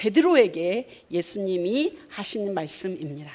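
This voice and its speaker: A woman talks fairly slowly in a very clean recording against a silent background. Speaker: pastor. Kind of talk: sermon. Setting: church.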